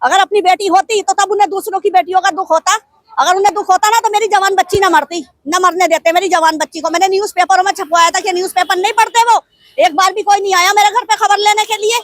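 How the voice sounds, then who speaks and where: A woman's voice: very high voice, fairly even intonation, quick pace, fairly bright tone, dry recording, studio quality. A middle-aged woman, a grieving mother, speaking in an impassioned, indignant way in a street interview and firing rhetorical questions.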